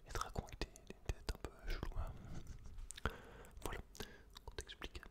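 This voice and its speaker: Whispering male ASMR host. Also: normal speed. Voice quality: unvoiced, breathy whisper. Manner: informal, addresses the listener directly as a friend. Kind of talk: ASMR, whispered reading aloud and casual commentary on a book.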